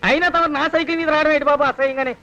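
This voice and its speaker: A cheeky servant, needles his boss with mock-respectful jokes. His voice is very high, bright and sharp, and he talks quickly. The sound is dull and lo-fi. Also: fairly even intonation, full character voice. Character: cheeky, teasing male servant with a bicycle. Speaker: film actor.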